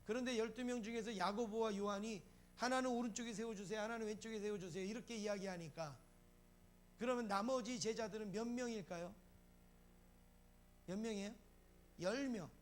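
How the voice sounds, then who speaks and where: A man's voice: high-pitched, a little fast, a little hiss or hum. A male pastor preaching a sermon. He asks the congregation questions, answers them himself, and repeats phrases for emphasis. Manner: acts out quoted lines in a raised voice.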